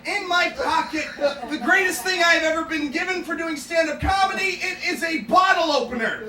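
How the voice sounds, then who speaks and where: A man doing a stand-up bit, telling a story with loud, punchy joke delivery. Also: extremely high pitch, a little fast. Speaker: stand-up comedian. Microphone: far from the mic. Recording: echoey room from far off, noisy.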